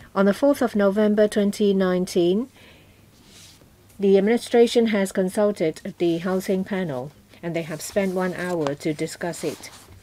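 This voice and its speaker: Speaking fairly slowly, a woman shows ordinary pitch variation. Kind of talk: formal meeting chairing. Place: hall. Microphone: podium.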